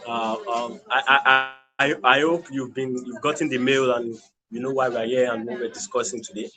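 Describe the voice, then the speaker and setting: A man's voice: medium pitch, fairly even intonation, moderate pace, sharp tone, faint music behind. A man from Nigeria with a Nigerian accent, hosting a live stream over a video call, repeating words and checking that he is heard. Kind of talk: casual video call chat.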